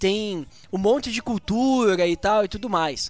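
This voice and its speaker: A man with a southern Brazilian accent speaks at a very slow pace in a high voice with lively intonation, music playing in the background. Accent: gaúcho Brazilian Portuguese. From southern Brazil, Rio Grande do Sul. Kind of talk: casual chat.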